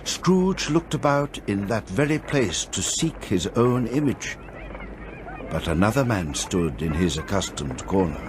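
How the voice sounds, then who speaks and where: A male actor narrating a radio drama in a grave, ominous, measured storybook style. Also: on the low side, very animated, a little hiss or hum. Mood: solemn. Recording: loud music under the narration.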